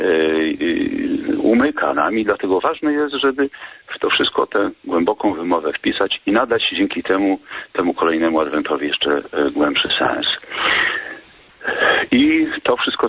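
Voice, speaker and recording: A male Catholic clergyman giving a reflective radio talk, measured and halting, with frequent pauses and fillers. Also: low-pitched, fairly bright tone, no room sound. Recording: dull lo-fi radio sound.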